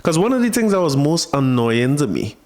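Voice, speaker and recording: A man's voice: a little high, very animated, fairly quick, a little mellow. A man with a Trinidadian accent hosting a podcast in casual chat. He laughs easily and repeats words as he gets going. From Trinidad and Tobago. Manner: chatty, laughs easily, repeats words when starting a thought. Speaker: podcast host.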